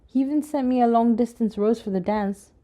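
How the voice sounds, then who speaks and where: Woman playing a mellow, cheeky flirt. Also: fairly high pitch, a little fast, close to an everyday voice. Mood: flirty. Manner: coy, suggestive. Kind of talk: audio drama acting.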